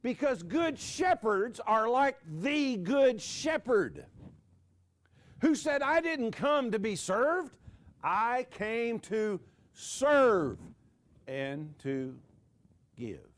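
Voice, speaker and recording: A man in his sixties preaching a sermon with dramatic pauses, dropping his voice low on key words and joking with the congregation. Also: very animated. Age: 60s. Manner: jokes with the audience.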